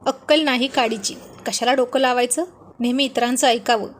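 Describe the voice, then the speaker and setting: A woman voicing a quick-tempered husband who grumbles and snaps at his wife. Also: a little high, fairly even intonation, slight background noise, close to an everyday voice. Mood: irritated. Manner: grumbling, irritated.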